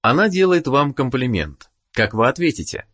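Husky man giving lesson prompts. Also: medium pitch, very animated, moderate pace, a bit bright. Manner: gives clear prompts and questions to the learner. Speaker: language course narrator. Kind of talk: scripted instructional narration.

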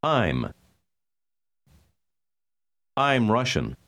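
A man slowly and carefully pronouncing phrases as a model for learners to repeat. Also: lowish voice, wildly swooping pitch, fairly bright tone. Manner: very slow, carefully drawn-out words. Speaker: native speaker model in language course. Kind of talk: slow model pronunciation for repetition.

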